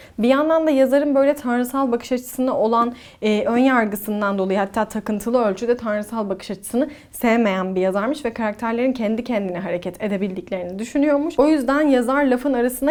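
The speech runs at a fairly quick pace with ordinary pitch variation over a quiet background. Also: woman. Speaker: YouTuber; film reviewer. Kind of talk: casual monologue. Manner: giggly. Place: home room.

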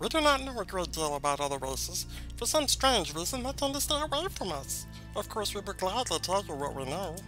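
A put-on character voice at a fairly quick pace over clear music in the background. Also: man. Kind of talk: comic alien voice acting. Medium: game stream. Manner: sycophantic, gushing, oily; self-satisfied, conspiratorial.

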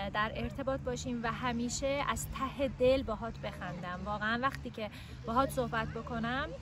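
A woman talks at a moderate pace. The sound is dry with no echo, with noticeable background noise. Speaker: YouTuber; video host. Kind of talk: casual chat. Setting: outdoors. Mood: warm, cheerful. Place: garden. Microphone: phone near.

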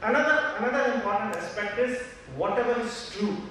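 Amid light background noise and strong room echo, a man talks at a fairly quick pace with lively intonation. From India. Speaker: senior police officer. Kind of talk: conference talk. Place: hall.

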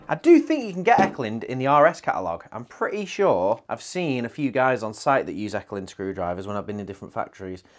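A man with a British accent speaks at a fairly quick pace with hardly any pauses, his medium pitch making very wide swings against a quiet background. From UK. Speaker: tool review youtuber. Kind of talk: product review video. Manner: animated. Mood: proud, relaxed. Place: workshop. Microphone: lapel.

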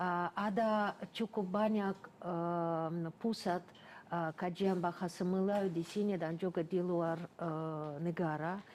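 Delivered in a Russian accent at a very slow pace, the speech keeps very even loudness and fairly even intonation. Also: woman, fairly low pitch for a woman. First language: Russian (speaking Malay). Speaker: university lecturer. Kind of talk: studio interview. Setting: TV studio.

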